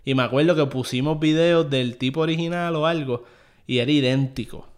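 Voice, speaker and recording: A man's voice: fairly high pitch, brisk. A man hosting a podcast in a loose, easygoing chat. He rambles from point to point and drops English phrases into his as he goes. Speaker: podcast host. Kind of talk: casual chat.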